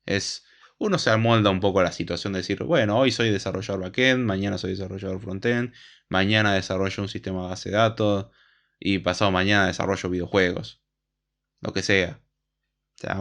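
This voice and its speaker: A man with an Argentine Spanish accent and a fairly low voice, talking frankly about programming like a teacher chatting with students. His delivery is casual and explanatory, and he leans on everyday comparisons to make a point. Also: a bit bright. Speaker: programming educator.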